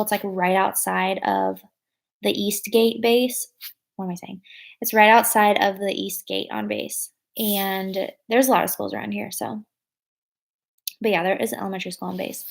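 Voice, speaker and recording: Young woman vlogging, chatty and rambly, tons of likes and ums, gravelly fry. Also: medium pitch. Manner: rambling, filler-heavy, lots of "like" and "um"; thinks aloud and corrects herself. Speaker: vlogger answering viewer comments. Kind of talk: casual live chat.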